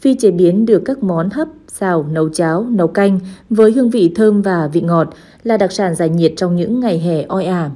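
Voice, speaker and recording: A woman with a dark, mellow tone talks at a moderate pace, her medium pitch showing ordinary variation. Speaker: news anchor. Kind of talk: news reading. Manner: formal.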